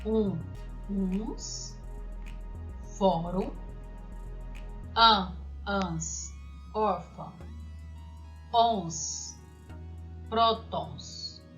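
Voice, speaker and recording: Slow, patient woman teacher. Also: mid-range voice, a bit bright. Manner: slow, deliberate, spells out examples and asks questions. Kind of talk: grammar lesson for children. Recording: dull lo-fi audio with faint music.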